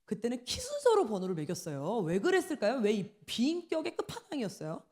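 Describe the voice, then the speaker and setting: A woman's voice: on the high side, wildly swooping pitch, fairly quick, a little mellow. A woman in her forties preaching a sermon in a church, telling stories and acting out the voices she quotes. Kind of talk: sermon at an evening prayer meeting.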